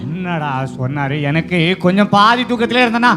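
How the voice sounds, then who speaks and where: A man's voice: high-pitched, lively intonation, brisk, noisy background. A man voicing a lazy, greedy office worker in a church puppet show, in a drawling, boastful voice. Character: lazy greedy male office worker, the older brother figure. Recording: live show with background music.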